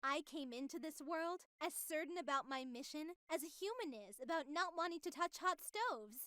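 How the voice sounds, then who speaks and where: A woman's voice: sits high, expressive, moderate pace, bright, forceful tone, no room sound. A woman voicing a cheerful, smug young female AI who narrates a horror visual novel in a playful, conversational way. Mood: earnest, explanatory. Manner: playful, self-satisfied, conversational. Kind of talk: scripted first-person game narration.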